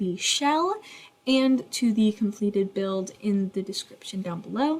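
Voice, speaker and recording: There is noticeable background noise. Against it, a woman speaks at a fairly slow pace. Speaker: gaming youtuber. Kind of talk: voice-over commentary on a speed build. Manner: halting, many fillers and restarts; casual, chatty.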